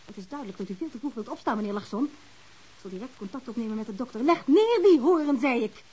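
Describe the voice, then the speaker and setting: Strict nurse, high-pitched and rapid, indignant and commanding, radio drama. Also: female voice, expressive, dark tone, slightly rough, poor audio. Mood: stern, indignant. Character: strict, scolding, bossy hospital nurse.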